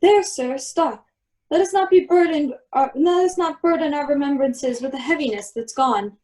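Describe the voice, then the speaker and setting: A woman's voice: high voice, normal speed, a little mellow, natural voice. A woman playing a commanding, wronged duke and magician in a Shakespeare radio play. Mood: stately, reassuring. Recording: distant from the microphone.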